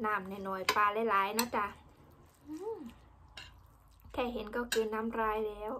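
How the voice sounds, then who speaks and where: A woman speaks in a bright, sharp tone with monotone, flat intonation over noticeable background noise. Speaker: food vlogger. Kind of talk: casual mukbang vlog chat. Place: home room. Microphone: phone near.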